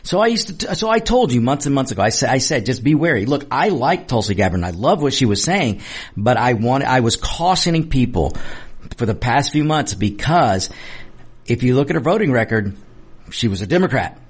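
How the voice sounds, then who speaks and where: A man's voice: mid-range voice, sing-song, fairly quick, husky. A man hosting a talk radio show in a casual, opinionated monologue, speaking straight to listeners and repeating phrases for emphasis.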